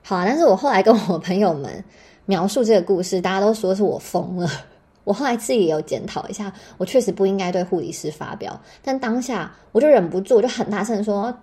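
Husky-voiced Taiwanese woman telling a story. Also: mid-range voice, quick pace. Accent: Taiwanese Mandarin. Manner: animated, dramatic, swears freely. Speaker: podcast host. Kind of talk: personal storytelling monologue.

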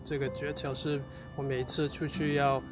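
A man's voice: medium pitch, level tone, normal speed, music in the background. A man who is a non-native Mandarin speaker with a foreign accent chats casually, searching for words and repeating phrases as he goes. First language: not Mandarin, a foreign learner of it. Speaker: co-host, Chinese learner. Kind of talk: casual unscripted chat.

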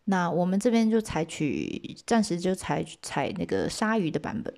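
A woman telling an old myth in a chatty, lively way with asides to her listeners. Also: lowish voice, normal speed, vocal fry. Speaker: storyteller. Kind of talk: casual myth storytelling.

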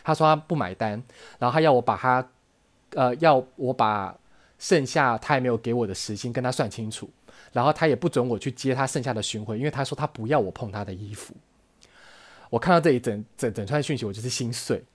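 A man hosting a podcast, telling a personal story in an earnest, emotional way and often restarting his phrases. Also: medium pitch. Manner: earnest, emotional, halting with frequent self-restarts. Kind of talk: casual storytelling monologue.

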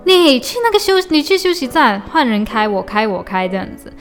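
A woman's voice: on the high side, big pitch swings, fairly quick, faint music behind. A woman voicing her alarmed middle-aged mother, who scolds urgently and bossily.

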